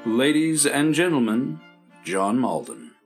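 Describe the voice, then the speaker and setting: A man's voice: mid-range voice, sing-song, slow pace, soft background music. A man announcing an old-time radio drama in a formal style.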